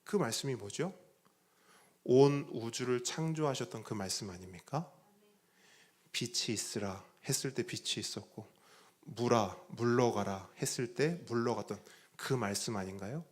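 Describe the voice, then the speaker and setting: Animated male pastor preaching a sermon. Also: normal speed. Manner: preaching with rhetorical questions to the congregation; swings between soft, low phrases and loud, high-pitched emphasis.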